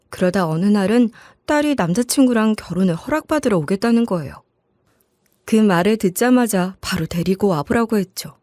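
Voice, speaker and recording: A woman's voice: mid-range voice, a little mellow, dry recording, studio quality. A woman narrating a scripted first-person family story in the role of a mother.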